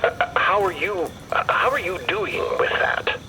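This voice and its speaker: Give this one to an anxious, bookish fellow in an audio drama. His phrasing is formal, wordy and halting, with very lively pitch. There is clear noisy ambience behind him. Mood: anxious, earnest. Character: anxious, cerebral, wordy man named Merlin. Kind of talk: narrative fiction podcast acting.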